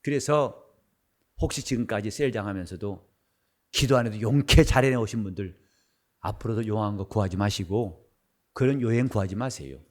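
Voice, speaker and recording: A middle-aged man preaching a sermon as pastor, his voice husky and worn, switching between loud bursts and quiet asides. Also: fairly low pitch, moderate pace. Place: church sanctuary.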